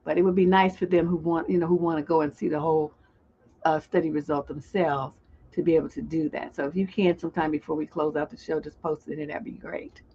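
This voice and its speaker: This relationship coach talks fast in a low, flat, dark voice with a slight roughness. She hosts a live call-in show, chatting casually and reading comments from viewers aloud, all over dull lo-fi stream sound.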